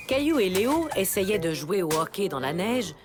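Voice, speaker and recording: A woman playing a gentle storybook narrator, telling a children's cartoon story expressively. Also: mid-range voice, big pitch swings, normal speed, music in the background, lightly acted. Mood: storytelling.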